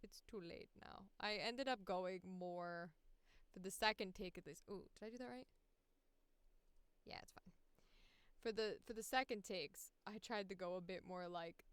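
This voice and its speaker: A woman's voice: on the low side, measured pace, clear, resonant tone, dry recording. A woman voice actor hosting a casual livestream, sweary and self-deprecating, with a slightly tired voice.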